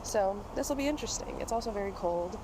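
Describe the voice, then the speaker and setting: A woman's voice: medium pitch, expressive, fast talker. Young American woman, noisy outdoor recording. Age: young adult. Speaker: podcast host. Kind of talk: casual podcast banter. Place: outdoors in public at a busy drive coffee stand. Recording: noisy outdoor urban drive-through ambience. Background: outdoor ambience and vehicle noise.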